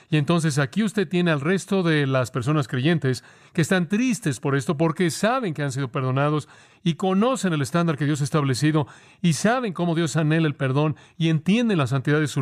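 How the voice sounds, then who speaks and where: A male preacher delivering an expository sermon. His voice sits a little high for a man, and he talks slowly and deliberately, stressing key words for emphasis.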